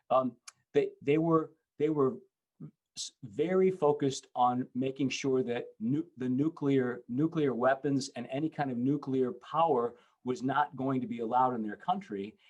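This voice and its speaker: Middle-aged male bishop, mid-pitched, hesitant speaker with many restarts. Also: a little mellow, muffled recording. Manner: halting, many fillers and restarts. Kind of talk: panel talk.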